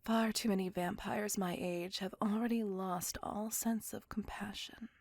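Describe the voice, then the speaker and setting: A woman's voice: medium pitch, fairly even intonation, measured pace. A woman whispering as a brooding vampire lover. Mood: brooding confessional. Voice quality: breathy, gravelly whisper. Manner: soft confessional whisper throughout. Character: brooding possessive female vampire lover, centuries old. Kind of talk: whispered ASMR roleplay.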